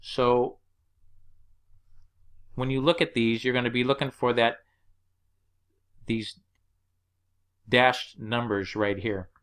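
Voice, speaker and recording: A man's voice: mid-range voice, fairly even intonation, takes it slowly, pauses often, fairly bright tone, clear, resonant tone. A man teaching an HVAC course over slides, walking through the numbers one step at a time. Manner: plain, explanatory, walks through numbers step by step. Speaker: HVAC instructor.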